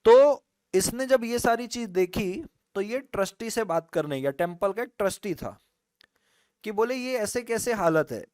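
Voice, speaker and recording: Guy teaching an online law class, high clear voice, teasing his students, dry close sound. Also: measured pace, no echo. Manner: teasing students, lively storytelling. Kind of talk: online live class lecture.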